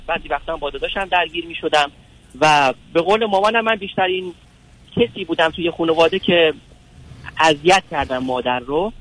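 A man's voice: on the high side, a bit bright, rough recording. A young adult man calling a radio advice show, hesitant and full of fillers as he talks about his family. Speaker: caller. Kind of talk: phone-in conversation.

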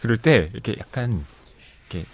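A man's voice: medium pitch, lively intonation, a little fast. A man co-hosting a book podcast in a casual, chatty style. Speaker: podcast co-host, literary critic.

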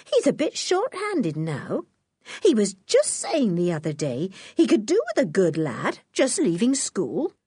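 A kindly, middle-aged farmer's wife speaking in unhurried, homely country phrases, as a woman storyteller voices her. Her tone sits lower than the narration and carries a breathy softness. The sound is close and dry. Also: huge pitch swings, no room sound, heavily acted. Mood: musing.

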